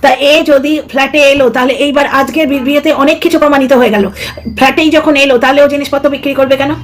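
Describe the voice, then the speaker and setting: A woman's voice: high voice, steady tone, fast talker, a little hiss or hum. A middle-aged woman with a headache doing a heated, rambling commentary vlog, scolding and indignant. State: has a headache. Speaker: YouTube commentary vlogger. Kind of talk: heated casual commentary monologue.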